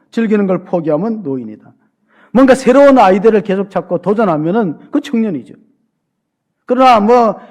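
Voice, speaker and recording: Brief: male pastor with a high voice, casual and joking sermon delivery, church setting. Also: a little mellow. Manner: conversational and humorous, questions the congregation. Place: church sanctuary.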